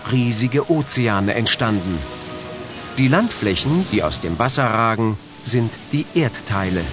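A man giving calm, scripted educational narration for children. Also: mid-range voice. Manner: calm, explanatory. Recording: narration over background music.

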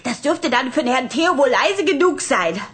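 A woman's voice: sits high, big pitch swings, normal speed. A woman voicing an impatient, sarcastic girl with a cold who dreams of making music. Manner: sarcastic, restless. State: has a cold. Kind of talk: children's cartoon voice acting.

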